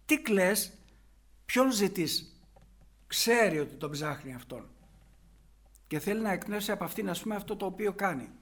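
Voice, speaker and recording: High-voiced man preaching a sermon. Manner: explains scripture and asks rhetorical questions.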